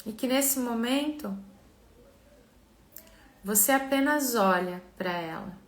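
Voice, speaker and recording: A Brazilian woman leads a guided relaxation and visualization in a slow, gentle, soothing manner with long pauses. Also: a little high, lively intonation. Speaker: mentor and therapist leading a live session. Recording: echoey room sound.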